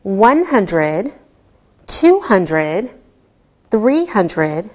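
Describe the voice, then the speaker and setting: Very slow, deliberate woman teacher. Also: medium pitch, sing-song. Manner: patient, deliberate, spells things out step by step. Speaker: English teacher. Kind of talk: slow, clearly enunciated classroom teaching.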